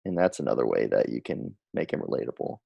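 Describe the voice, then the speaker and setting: Deep gravelly man thinking aloud. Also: very animated, fast talker, dry recording, highs cut off. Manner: thinks aloud, restarting sentences. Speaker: podcast co-host. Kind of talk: casual podcast chat.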